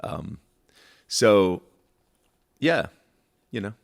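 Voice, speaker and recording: Very deep-voiced baritone man. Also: very animated, drawn-out words, creaky. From Michigan, USA. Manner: rambling, many fillers and restarts. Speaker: songwriter guest. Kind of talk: casual interview chat.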